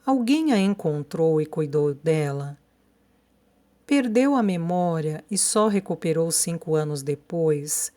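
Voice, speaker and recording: Narradora brasileira de voz grave e quente. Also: female voice, lowish voice, mellow. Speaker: audiobook narrator. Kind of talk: scripted audiobook narration.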